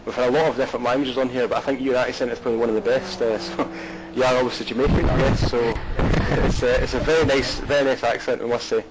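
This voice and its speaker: A man's voice: mid-range voice, steady tone, quick pace, hardly any pauses, noisy background. A Scottish man commentating an online race and chatting with a guest, rambling with fillers and restarts. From Scotland. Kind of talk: live race commentary and interview.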